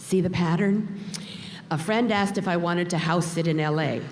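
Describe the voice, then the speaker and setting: Audible room echo surrounds a woman's voice. She speaks at a moderate pace with ordinary pitch variation. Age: 70s. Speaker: actress and commencement speaker. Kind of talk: commencement speech.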